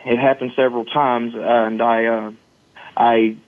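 Over a dry, muffled phone-like connection without echo, an Arkansas man with a Southern accent recounts his own story as a guest in an interview. He sounds folksy and earnest, with a typical male pitch, flat delivery and an unhurried pace.

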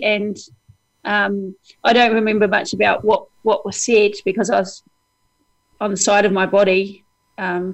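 A woman's voice: medium pitch, poor audio. A woman with a New Zealand accent, guest on an interview, telling a story earnestly with many hesitations. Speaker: hypnotist guest.

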